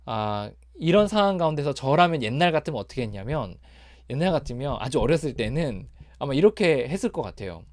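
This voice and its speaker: A man giving a personal testimony on recovery, speaking haltingly with many fillers and restarts. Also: mid-range voice, sing-song, darkish tone, no echo, studio quality.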